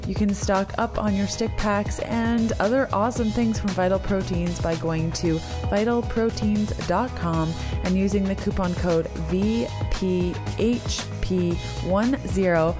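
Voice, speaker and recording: A young adult woman with a hoarse, strained voice, hosting a solo podcast in an upbeat, enthusiastic way. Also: mid-range voice, fairly even intonation, measured pace, over music. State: hoarse, lost her voice. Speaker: podcast host. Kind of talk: solo podcast chat with sponsor reads.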